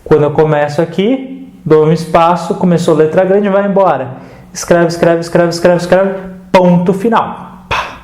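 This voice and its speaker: A man teaching an online writing lesson in Brazilian Portuguese, lively and casual, answering the students' doubts he voices himself. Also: sits high, normal speed, roomy sound. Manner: addresses the viewer casually, checks in with "tá?".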